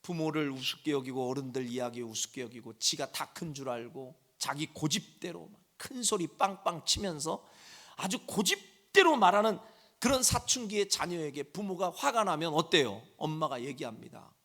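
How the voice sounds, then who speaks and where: A man's voice: fairly high pitch, animated, normal speed, a bit bright. A middle-aged male pastor preaching a sermon in a church, dramatically acting out quoted voices. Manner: dramatic, acts out quoted parents and children. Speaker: senior pastor. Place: church sanctuary.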